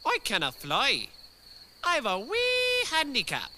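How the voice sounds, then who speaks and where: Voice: high voice, huge pitch swings, slow, background noise, exaggerated voice. An actor playing a tiny, cheerful one-winged firefly with a Scottish accent in a children's musical audio drama, folksy and devout. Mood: cheerful, earnest. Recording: loud music behind the voice.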